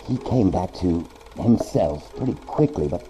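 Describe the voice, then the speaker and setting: An actor playing an older, guilt-ridden father in a horror game, with a creaky voice and halting, anguished, slow delivery. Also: low-pitched, lively intonation, noisy background. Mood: grim, bitter. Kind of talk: dramatic horror game acting. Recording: music under the voice.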